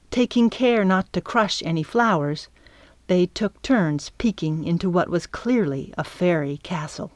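A woman narrating a children's chapter book in a calm, measured reading. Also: on the low side, no echo. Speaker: audiobook narrator. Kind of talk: scripted narration.

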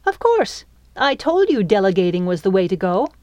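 Woman voicing a feisty, sharp-tongued little fairy. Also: medium pitch, sing-song, moderate pace, dry recording, highs cut off, close to an everyday voice. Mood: sassy. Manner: sassy, sharp, irritable.

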